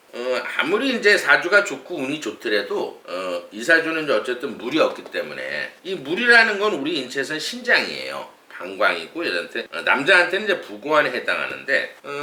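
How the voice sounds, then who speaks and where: A man's voice: a little high, pushed and bright, far from the mic. A middle-aged man working as a saju fortune-teller, explaining readings in a chatty, lecturing way with many restarts. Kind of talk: casual explanatory monologue. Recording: echoey room, voice a bit off-mic.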